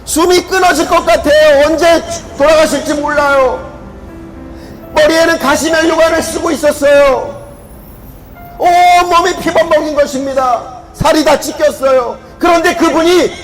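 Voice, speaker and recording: A man preaching a street sermon outdoors, emphatic and sometimes shouting, with music faint behind him. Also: very high voice, fairly even intonation, normal speed, rough recording. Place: outdoors at a station plaza.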